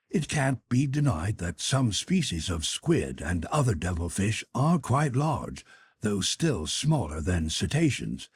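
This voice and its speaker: Very husky male audiobook narrator. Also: fairly low pitch, a little mellow, no echo. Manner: measured, expository, storytelling. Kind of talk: scripted literary narration in first person.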